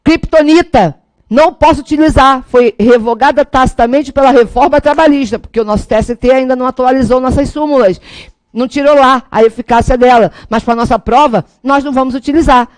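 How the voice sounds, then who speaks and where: A woman teaching law in a lively, motivational classroom lecture, speaking straight to her students with a Brazilian Portuguese accent. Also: high-pitched, brisk, dry recording.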